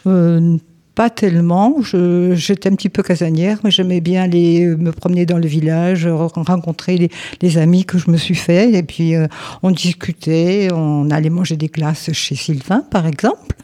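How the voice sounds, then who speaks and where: An older woman living in a nursing home, answering interview questions gently with many pauses and fillers. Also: lowish voice, steady tone.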